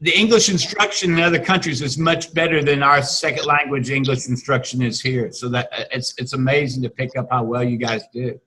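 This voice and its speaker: Halting teacher, bright voice. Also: male voice, mid-range voice, steady tone, husky, low-quality recording. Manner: halting, many restarts and fillers. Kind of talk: casual video-call chat.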